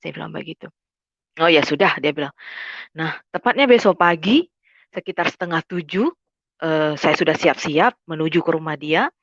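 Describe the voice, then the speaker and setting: A woman's voice: low-pitched, normal speed, no room sound. Hesitant woman retelling her story. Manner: hesitant, many fillers, retells dialogue. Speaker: testimony speaker. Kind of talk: personal testimony storytelling. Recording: dull dry lo-fi sound.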